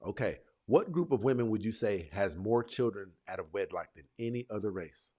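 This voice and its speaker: A man hosting a live call-in debate show, confrontational, firing rapid leading questions at his guests. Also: fairly low pitch, animated, darkish tone. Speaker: host.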